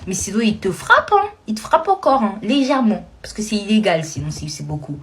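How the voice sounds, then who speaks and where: Animated slangy woman telling a story. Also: medium pitch, a little fast. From France. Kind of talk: casual comic storytelling.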